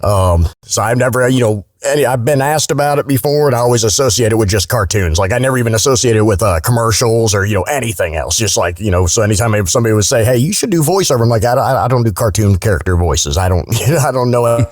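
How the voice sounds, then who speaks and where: A man's voice: medium pitch, lively intonation, quick pace, few pauses, no room sound, studio quality. A man chatting casually and bluntly as a podcast guest, telling anecdotes in a joking, informal way.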